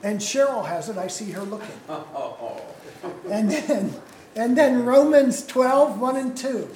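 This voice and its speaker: A man preaching slowly and deliberately, stopping often to put questions to the people in front of him. His voice rings in an echoey church room, with faint noise underneath. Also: very high-pitched, a little mellow. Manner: unhurried, asks the congregation questions. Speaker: pastor. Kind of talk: sermon.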